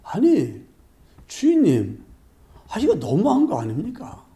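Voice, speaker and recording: A protesting, grumbling laborer from a sermon parable, lively in pitch with a gravelly edge, as a pastor acts him out. His voice climbs and dips as he complains. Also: normal speed, exaggerated voice. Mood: indignant. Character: indignant early-shift male laborer, grumbling.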